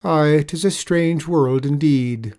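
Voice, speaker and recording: A storyteller voicing a soft-hearted, weepy male tradesman with an Irish accent, easily moved to sobbing. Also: mid-range voice, takes it slowly, pitched above the performer's own voice. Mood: sympathetic.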